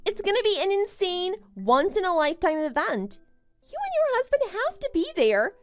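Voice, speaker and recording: A woman's voice: very high voice, very animated, moderate pace, soft background music. A woman playing a smug, boastful young bride in a melodramatic story, taunting and condescending as she exclaims. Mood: bragging. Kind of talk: melodramatic animated-story voice acting.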